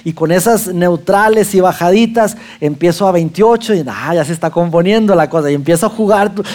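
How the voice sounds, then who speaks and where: A man with a Mexican accent telling a lively personal anecdote to an audience, acting out his own lines as he goes. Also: high-pitched, a little fast.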